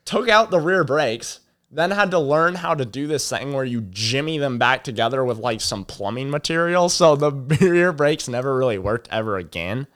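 A young man chatting casually on a podcast, telling rambling stories in a relaxed way and laughing often. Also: medium pitch, moderate pace. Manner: rambling, laid-back storyteller, laughs a lot. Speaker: podcast co-host. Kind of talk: casual chat.

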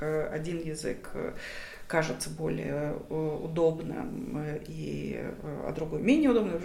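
A woman's voice: on the low side, gravelly, darkish tone. A woman talking as an academic guest, thoughtful and hesitant, with many fillers and restarts. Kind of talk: reflective interview answers. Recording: roomy echo.

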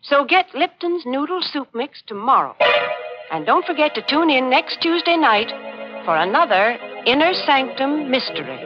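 American woman, chipper vintage radio commercial, wholesome announcer polish, animated intonation, muffled old recording. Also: high voice, normal speed, over loud music. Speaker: radio show sponsor's spokeswoman. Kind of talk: chipper 1940s radio advertising.

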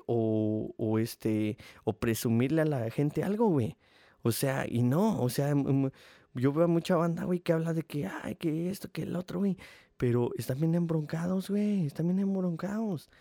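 A man's voice: medium pitch, warm tone, dry recording, clean studio sound. A young man with a Mexican accent hosting a podcast, rambling casually and cursing often. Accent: Mexican Spanish. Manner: slangy, rambling, frequent swearing. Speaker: podcast host. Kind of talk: casual monologue.

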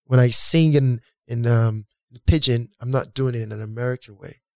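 A man from Nigeria, raised speaking Yoruba, talks through his musical journey in a loose, reflective way. His voice sits at a middling pitch. The sound is close and dry. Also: normal speed, mellow, no room sound. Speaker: guest musician. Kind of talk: casual interview talk.

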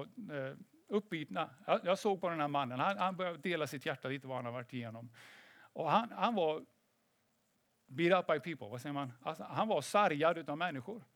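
A man's voice: a little high, a bit bright, dry recording. A man preaching a sermon in a conversational way, often asking "eller hur?" and slipping in English phrases.

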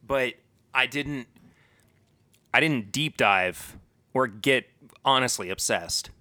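A man co-hosting a casual podcast, enthusiastic and quick to restart his sentences. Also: mid-range voice, sharp tone, dry recording. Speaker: podcast co-host. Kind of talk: casual chat.

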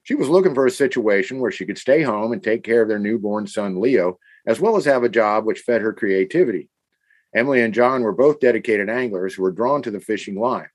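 A man's voice: on the low side, fairly quick. An enthusiastic man from the American Midwest, co-hosting a casual scripted chat. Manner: enthusiastic, animated. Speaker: podcast co-host.

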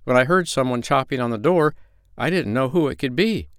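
A man voicing a frightened, polite little boy in a storybook, in a high, childlike, pleading voice. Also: animated, fairly quick, clear, resonant tone, dry recording, clean studio sound, close to an everyday voice. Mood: earnest, worried.

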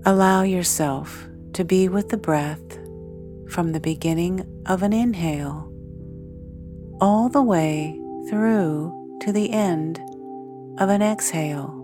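A woman leading a guided meditation in a soothing, measured way, leaving long pauses between phrases. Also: on the low side. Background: meditation music with singing bowls.

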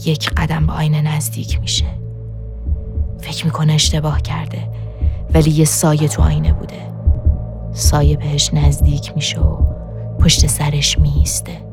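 A woman's voice: deep voice, level tone. A woman reading a scripted horror story with dramatic, suspenseful delivery. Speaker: narrator. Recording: soft music bed behind the voice.

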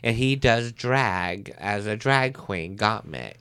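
A man's voice: lowish voice, animated, slow pace, fairly bright tone, clear, resonant tone. A man hosting a podcast, chatting casually, rambling with restarts and laughing often. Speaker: podcast host. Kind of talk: casual chat.

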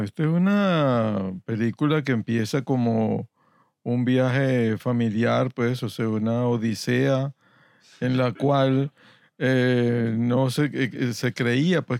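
Gravelly man speaking haltingly. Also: medium pitch, darkish tone, dry recording, studio quality. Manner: halting, many fillers. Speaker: father guest on podcast. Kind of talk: casual film review chat.

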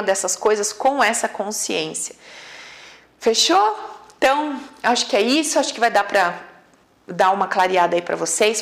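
A woman with a Brazilian accent giving a casual online lesson as an emotional coach. She talks in an animated, blunt, informal way and sometimes swears. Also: medium pitch, gravelly. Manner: acts out quoted inner voices. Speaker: emotional coach teaching a method.

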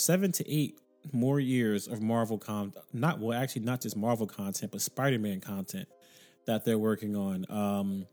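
A man's voice: medium pitch, dark tone. A man co-hosting a casual podcast, agreeable and laid-back, steering topics with questions. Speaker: podcast co-host. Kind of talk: casual chat.

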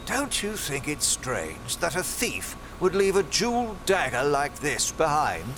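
A man playing a cruel, pompous wealthy collector, a villain speaking with deliberate menace in an audio drama. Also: on the high side, sing-song, background noise. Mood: cold interrogation.

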